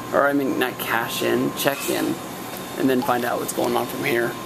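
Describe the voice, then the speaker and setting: There is loud background noise. A man speaks at a moderate pace. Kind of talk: casual vlog chat. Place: hall. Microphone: phone near.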